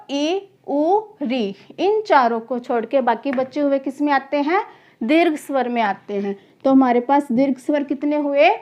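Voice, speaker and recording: A woman teaching a grammar class to exam students, who keeps asking questions and answering them herself, repeats key terms, and calls her students children. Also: high-pitched.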